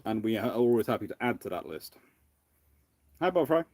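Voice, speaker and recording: A man hosting a casual live question-and-answer stream, thinking aloud in a halting, rambling way. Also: lowish voice, big pitch swings, darkish tone, dry recording. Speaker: livestream host, naval historian. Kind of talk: casual live Q&A with off-the-cuff commentary.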